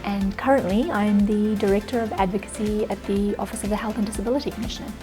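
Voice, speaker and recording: A woman's voice: mid-range voice, fairly even intonation, fast. A woman from Pakistan speaking frankly and with emphasis in a documentary interview. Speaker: interviewee, advocacy director. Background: background music.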